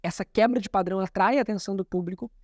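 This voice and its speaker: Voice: medium pitch, very fast, no room sound, studio quality. Methodical communication coach. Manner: didactic, methodical, repeats key terms. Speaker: communication coach analyzing a talk. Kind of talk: explanatory video commentary.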